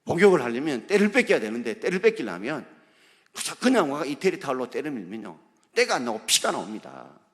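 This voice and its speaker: A man preaches with a lively, swooping delivery, pressing his points with questions he throws out to the congregation. His voice carries through a church sanctuary with a long, ringing reverb. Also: mid-range voice, fairly quick. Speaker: pastor. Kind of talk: sermon.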